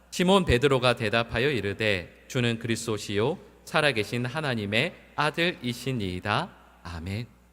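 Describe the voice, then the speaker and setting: A man speaks with a Gyeongsang accent. His pitch is medium and his pace moderate. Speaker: pastor. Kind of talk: sermon.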